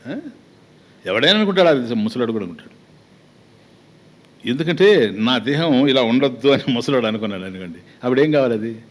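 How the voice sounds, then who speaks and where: A man's voice: medium pitch, animated, a little fast, pauses often. A man with a Telugu accent giving a spiritual discourse as a swami, talking conversationally with many rhetorical questions and acted-out little exchanges.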